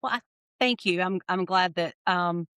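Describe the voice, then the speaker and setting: A middle-aged woman answering interview questions in a thoughtful, warm way, often checking in with "right?". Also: on the low side, moderate pace, smooth, no echo, clean studio sound. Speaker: podcast guest.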